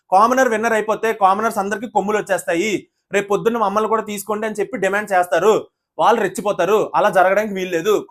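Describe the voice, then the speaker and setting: A male video reviewer who rants with indignation and calls his viewers "brother". He talks very fast in a high voice and piles up rhetorical questions. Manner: indignant, rapid ranting, addresses viewers as brother. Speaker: YouTube reviewer of a reality show. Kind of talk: opinionated video review monologue.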